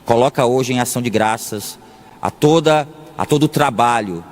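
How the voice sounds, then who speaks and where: A Brazilian man from Salvador preaching a homily as a Catholic priest, deliberate, with frequent pauses and phrases repeated for emphasis. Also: medium pitch. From Salvador, Bahia, Brazil. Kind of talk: sermon. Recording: long echoing reverb of a large hall.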